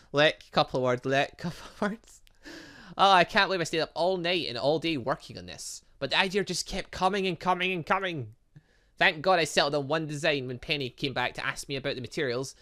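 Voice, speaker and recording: A man with a fairly high, bright voice reads visual novel lines aloud for a gaming video. His pitch moves around a lot as he goes. He drops in casual, playful asides and often stumbles on a word before fixing it. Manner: stumbles over words and corrects himself; animated, exclaims and reacts playfully.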